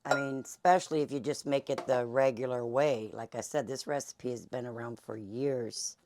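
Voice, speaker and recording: A woman host with a Southern accent and a hoarse, fading voice, chatting folksily through a home cooking demonstration. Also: very deep voice, steady tone, normal speed, background noise. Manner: chatty, folksy, many fillers. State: hoarse, losing her voice. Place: home kitchen.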